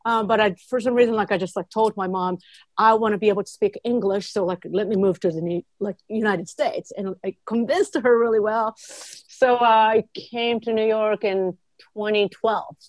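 A woman's voice: medium pitch, normal speed, dry recording. A woman in her thirties from Japan with a Japanese accent, a guest chatting casually and saying "like" a lot. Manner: relaxed, chatty, says "like" often. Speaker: guest jazz pianist. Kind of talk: casual interview chat.

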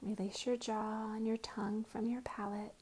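A woman leading a Christian guided meditation and body scan in a soft voice that often drops to a whisper. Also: medium pitch, little pitch movement, moderate pace, husky.

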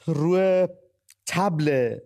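A man's voice: a little high, warm tone. A man hosting a live call-in podcast, talking earnestly and asking pointed rhetorical questions. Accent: Persian. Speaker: podcast host.

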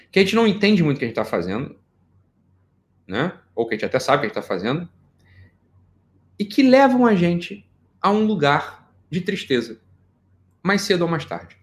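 A middle-aged Brazilian man giving an informal psychology lecture, joking and firing off rhetorical questions. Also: fairly high pitch. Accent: Brazilian Portuguese. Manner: animated, jokey, rhetorical questions.

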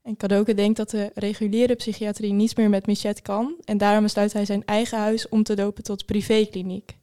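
A woman's voice: mid-range voice, flat delivery, moderate pace, mellow, smooth. A woman host summarizing a novel in a matter-of-fact way. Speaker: podcast host. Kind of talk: reading a book summary.

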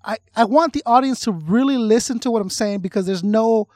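A man's voice: high voice, a little fast, darkish tone, no room sound, studio quality. Rambling hip hop interviewer guy. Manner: rambling questions full of "like" and repeated words. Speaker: interviewer host. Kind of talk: casual interview chat.

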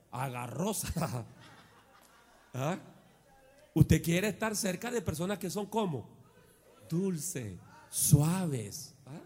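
Male pastor, high voice, unhurried delivery, sermon in a reverberant church hall, shouts then drops to asides. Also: creaky, breathy edge. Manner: shouts and calls the congregation to repeat after him; swings from shouted exclamations to low conversational asides.

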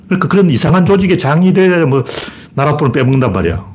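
A man hosts a casual livestream, talking bluntly and at length, his voice a bit higher than most men's. His pitch swings widely as he jumps up to mimic people mid-sentence, then drops back into plain musing. He greets viewers by name between his points. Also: big pitch swings, fast, darkish tone, slight background noise. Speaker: live stream host. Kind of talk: casual political commentary livestream.

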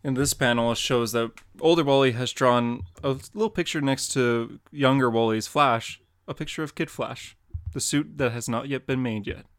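A man's voice: mid-range voice, normal speed, a bit bright, smooth, no room sound. Guy reading out comic panels, plain and matter-of-fact, dry mic. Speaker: podcast co-host.

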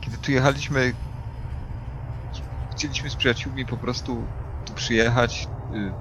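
Male RPG player, mid-pitched, hesitant, talking through his character's moves, noticeable noise behind. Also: steady tone, normal speed. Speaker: tabletop game player. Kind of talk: improvised role-play, describing own actions. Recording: clearly noisy background.

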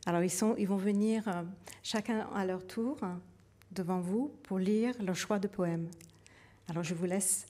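A woman's voice: medium pitch, moderate pace, dark tone. A woman hosting a live literary event, introducing readers in a hesitant, self-correcting way. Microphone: event microphone.

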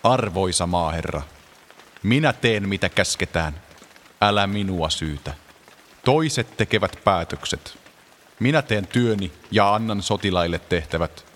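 Man as a Roman centurion, deferential, matter-of-fact, low voice, radio play. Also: fairly bright tone, a little hiss or hum.

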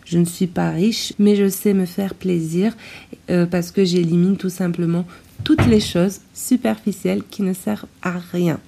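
A woman hosting a casual solo podcast, talking hesitantly with many filler sounds and recorded in low sound quality on a tablet's built-in microphone. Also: fairly even intonation, a little slow, vocal fry, background noise. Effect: low-quality sound from a tablet's built-in mic after her microphone broke. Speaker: podcast host.

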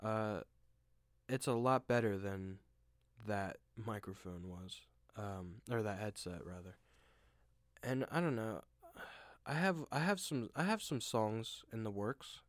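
Young male podcast host, low voice, self-deprecating monologue, lots of "like" and "uh", clean dry recording. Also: slow, dry recording. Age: young adult. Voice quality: deep voice. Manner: rambling, self-deprecating, many fillers and restarts. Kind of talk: casual solo monologue. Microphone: desk microphone at home.

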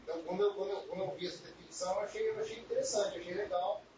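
A fairly high-voiced man speaks up in a group discussion, hesitant and stumbling over repeated words. He sounds far from the mic in a very echoey, noisy room. The audio is dull and lo-fi. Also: fairly even intonation, racing. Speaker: study group participant.

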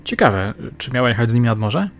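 Brief: a man playing a composed, inquisitive lieutenant in a crime audiobook, measured delivery. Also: mid-range voice, big pitch swings, slight background noise. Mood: calm. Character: curious, composed male police lieutenant.

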